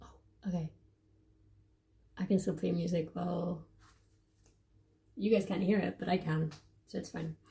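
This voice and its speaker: Quiet and somewhat breathy, a woman with a dark, mellow tone and fairly low pitch speaks with fairly even intonation and long, frequent pauses. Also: moderate pace. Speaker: lifestyle vlogger. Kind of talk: casual vlog chat.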